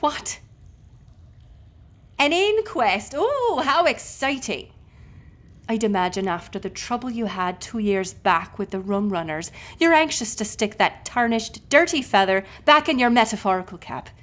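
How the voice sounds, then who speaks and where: Woman playing a slow-spoken, sardonic lady sea captain. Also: a little high, expressive, fairly bright tone. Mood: mocking, contemptuous. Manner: sarcastic, wordy, biting. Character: defiant, sardonic, foul-mouthed female ship captain held prisoner. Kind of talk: audio roleplay acting.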